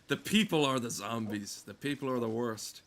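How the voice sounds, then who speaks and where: A man's voice: medium pitch, moderate pace, fairly bright tone. A man giving casual, rambling gameplay commentary in a sardonic, exasperated and sweary way. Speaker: game streamer.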